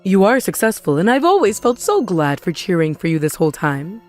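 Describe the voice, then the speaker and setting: A woman's voice: on the low side, big pitch swings, brisk, darkish tone. A woman voicing a greedy, manipulative middle-aged mother in a comic dub, with a theatrical, wheedling way of talking. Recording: voice over background music.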